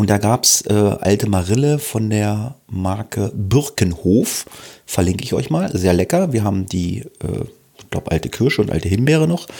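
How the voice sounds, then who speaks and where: Speaking at a moderate pace, a man uses a fairly low voice with a dark, mellow tone and lively intonation. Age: 50s. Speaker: podcast host, paramedic. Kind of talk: casual chat.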